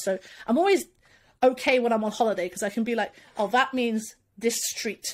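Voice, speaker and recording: A woman with an English accent, fairly high in pitch and fairly quick in pace, on a very clean recording with a silent background. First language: Farsi. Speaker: Magic player and event organiser. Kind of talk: casual chat. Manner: animated.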